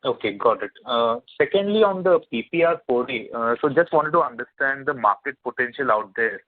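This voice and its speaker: A man's voice: mid-range voice, lively intonation, fairly quick. A man, an analyst putting questions on an investor call. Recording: narrow, tinny phone conference line.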